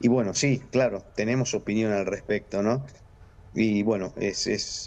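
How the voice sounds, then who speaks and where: At a fairly slow pace, a man talks with fairly even intonation and a medium pitch. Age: 60s. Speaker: father of injured man. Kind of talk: interview. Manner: halting.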